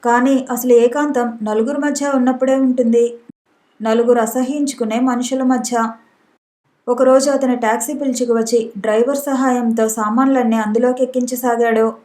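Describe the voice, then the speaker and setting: A woman narrating a novel as an audiobook in a steady, even reading manner. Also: fairly high pitch, moderate pace. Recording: roomy echo.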